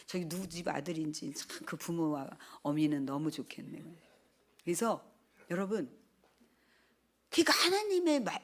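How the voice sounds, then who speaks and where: Older woman pastor telling a testimony. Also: on the low side. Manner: animated storytelling, acting out quoted speech. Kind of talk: sermon testimony.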